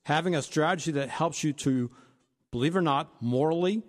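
A man's voice: fairly high pitch, a little fast, big-room sound. A man co-hosting a financial advice talk, laying out retirement planning points one by one. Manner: steady explanatory, lists points. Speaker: financial advisor co-host.

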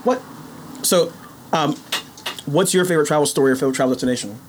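A man's voice: a little high, fast talker. A man hosting a podcast, joking playfully while eating tacos. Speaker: podcast host. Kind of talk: casual food chat. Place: busy taco restaurant. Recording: noisy restaurant crowd. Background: restaurant crowd chatter.

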